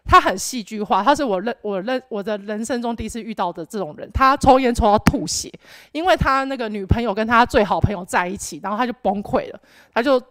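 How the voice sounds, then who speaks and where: A woman's voice: on the high side, fast, a bit bright, no echo. Earnest young woman giving church testimony. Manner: earnest, rambling with many restarts and fillers. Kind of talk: personal testimony talk.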